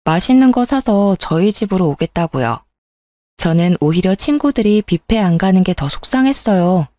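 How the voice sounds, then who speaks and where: Woman reading out a first-person story, confiding tone, mellow warm voice, dry close sound. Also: on the low side, expressive, normal speed, no room sound. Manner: confiding, plain narration.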